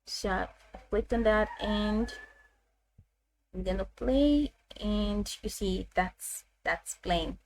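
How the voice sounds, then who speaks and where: A woman with a mid-range voice hosts a software tutorial. She explains each step casually and haltingly, often circling back to repeat a phrase before moving on. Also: mid-range voice, rough recording.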